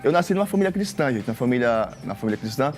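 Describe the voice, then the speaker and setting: Brief: male guest, mid-pitched voice, easygoing testimony, faint music underneath. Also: fast. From Maranhão, Brazil. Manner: relaxed storytelling, uses "galera" and "cara". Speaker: gospel singer guest. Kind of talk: casual testimony interview.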